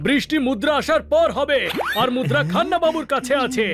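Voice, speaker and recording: A man voicing a flippant, simple-minded comic cartoon pal with a squawky, creaky voice. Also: very high-pitched, a little fast. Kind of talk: dubbed cartoon acting. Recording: loud cartoon music behind.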